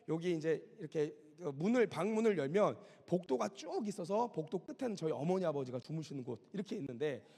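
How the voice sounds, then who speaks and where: A man's voice: sits high, creaky, mellow. A middle-aged male pastor preaching a storytelling sermon in a vivid, dramatic way, in a church sanctuary. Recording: long reverb of a church hall.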